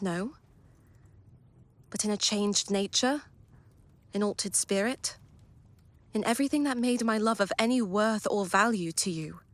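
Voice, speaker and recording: A woman playing a sorrowful but resolute young fiancée in an audio drama, measured, earnest and formal. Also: medium pitch, no echo, natural voice.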